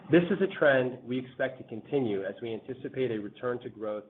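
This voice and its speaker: A man delivers a prepared earnings presentation in a formal, measured manner. His voice sits at an average pitch. It comes through a narrow conference phone line with a little background noise. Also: animated. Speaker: company executive. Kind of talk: scripted corporate earnings presentation.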